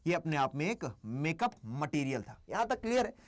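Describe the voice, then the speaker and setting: High-pitched chatty Hindi-English teacher. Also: male voice, big pitch swings. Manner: chatty, quizzes himself aloud, mixes Hindi and English; slows down to dictate key English points. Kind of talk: live-stream exam lesson.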